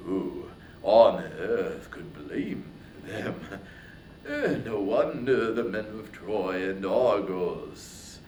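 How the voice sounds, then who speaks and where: A man puts on an old chief from ancient epic. He murmurs in awe, slow and halting, drawing words out. The voice sits back from the mic in an echoey room. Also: fairly low pitch, very animated, a little mellow, voice pushed down, full character voice. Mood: awestruck, wistful. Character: awestruck old Trojan elders murmuring to each other. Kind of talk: dramatic reading of ancient epic poetry. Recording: roomy echo, distant mic, faint noise.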